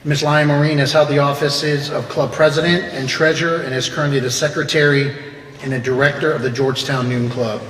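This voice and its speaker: A man's voice: on the high side, steady tone, brisk, fairly bright tone. A man reading out a biographical introduction of a guest speaker at a club meeting. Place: large echoey meeting room. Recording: echoey hall with background noise.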